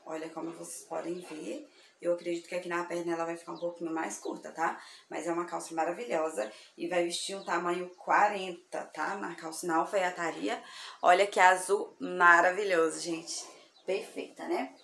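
A woman from Brazil selling thrift clothes online, chatty and effusive, her voice slightly hoarse from sleepiness. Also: on the low side, fairly even intonation, normal speed, a bit bright. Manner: chatty, effusive, addresses viewers as girls. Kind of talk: casual product showcase. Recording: echoey room with faint ambient noise.

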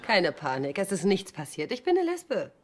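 A blunt, easygoing party girl in a sitcom dub. Her delivery is brash and animated, with faint noise on the track. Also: mid-range voice, normal speed. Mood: blunt, unbothered. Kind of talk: German sitcom dubbing.

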